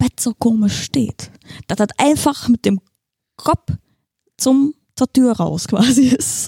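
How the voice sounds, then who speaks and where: A woman speaks at a high pitch in a dark, mellow tone. The sound is dry and close with no echo. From Rhineland, near Mönchengladbach/Düsseldorf. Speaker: podcast co-host. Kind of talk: casual chat.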